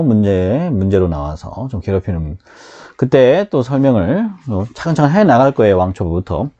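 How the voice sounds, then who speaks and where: Male grammar teacher for beginners, animated delivery, mellow tone, a little dull sound. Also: medium pitch. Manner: lively, drills students with call-and-repeat. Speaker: English teacher.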